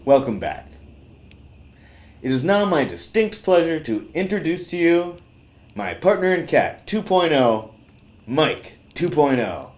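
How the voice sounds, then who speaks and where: An exasperated comedy talk show host played by a man speaks in a stilted, mock-formal way. His voice is slightly high with lively swings, on a faintly noisy recording. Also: measured pace, pauses often. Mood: formal, strained.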